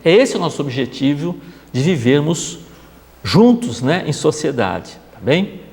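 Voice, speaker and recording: A man's voice: on the high side, very animated, a little slow, a little mellow. Man lecturing in a reverberant hall. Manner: conversational, checks in with the audience often. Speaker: spiritist lecturer. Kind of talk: gospel study talk. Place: spiritist center hall.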